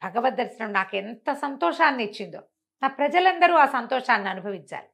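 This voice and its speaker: A woman's voice: fairly high pitch, expressive, a little fast, creaky, a bit bright. Casting: devout, kind-hearted folk-tale king, earnest and insistent, repeating his pleas, played by a woman storyteller. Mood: pleading, devout. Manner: pleading, insistent, repeats words urgently.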